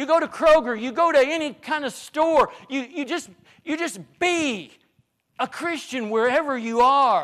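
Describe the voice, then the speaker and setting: Someone with a Southern US accent speaks at a fairly slow pace in a very clean recording with a silent background. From Northeast Arkansas. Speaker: preacher. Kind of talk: sermon.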